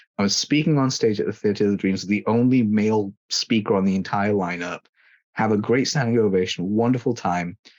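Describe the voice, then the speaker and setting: With an English accent, a man speaks using ordinary pitch variation. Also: moderate pace. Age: 30s. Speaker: copywriter. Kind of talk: interview storytelling. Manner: animated.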